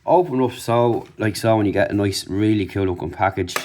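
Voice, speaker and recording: A man talks through a casual unboxing and product review, speaking off the cuff about what he's showing. His voice is lowish and warm, and he moves a little fast.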